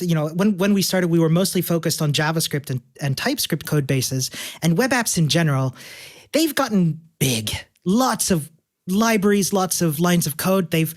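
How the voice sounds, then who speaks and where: A man from Chile, a guest on a podcast, chatting in an upbeat way and laughing often. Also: fairly high pitch. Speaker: guest, developer relations engineer. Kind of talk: casual interview chat.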